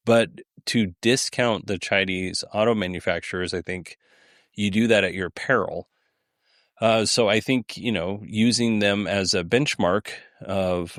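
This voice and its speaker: Guy podcast host, low voice, dry close sound, chatty and kinda rambly. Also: a bit bright, no room sound. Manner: rambling, informal, chuckles while talking. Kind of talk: casual solo commentary on audio clips.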